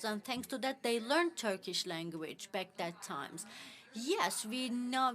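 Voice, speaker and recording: A woman giving live English interpretation of a panel discussion, halting, with frequent "actually" fillers. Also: medium pitch, a bit bright. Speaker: simultaneous interpreter.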